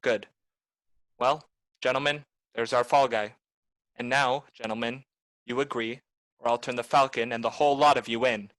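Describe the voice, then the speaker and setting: A man's voice: medium pitch, steady tone, moderate pace, pauses often, fairly bright tone, dry recording, close to an everyday voice, rough recording. A man playing a cool, shrewd private detective in a film noir radio play, with a clipped, tough delivery. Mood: wry, firm. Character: hard-boiled male private detective, cool, shrewd, commanding.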